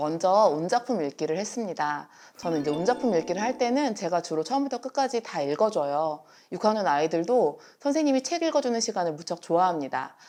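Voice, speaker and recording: A woman speaks at a fairly quick pace with a medium pitch and a dark, mellow tone. Her pitch swings very widely, over a quiet background. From Jeolla, Korea (Jeonju). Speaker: elementary school teacher. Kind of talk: interview about teaching.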